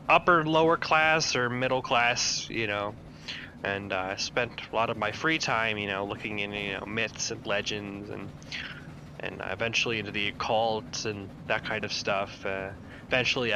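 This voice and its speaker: A man playing in a tabletop game, telling his character's backstory haltingly with many fillers. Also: fairly low pitch, pushed and bright, slight background noise. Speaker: player.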